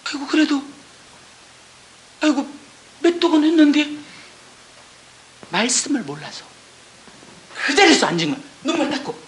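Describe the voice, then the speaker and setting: A woman's voice: high-pitched, sing-song, normal speed, long pauses, reverberant. A woman missionary giving an emotional testimony, earnest and tearful, with many exclamations and rhetorical questions.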